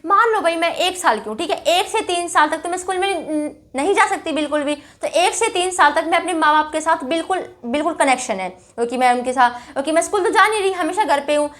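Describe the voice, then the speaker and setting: High-voiced chatty woman teacher. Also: fairly bright tone. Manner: chatty, calls students "bhai", keeps checking with "theek hai"; reads English lines slowly, then explains in Hindi. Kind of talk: explaining an English chapter in Hindi.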